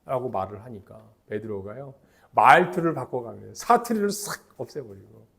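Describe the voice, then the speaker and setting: A middle-aged man preaches a sermon as a pastor, emphatic and lively, leading his congregation in call-and-response chants. His gravelly voice sits at medium pitch and moves at a normal speed.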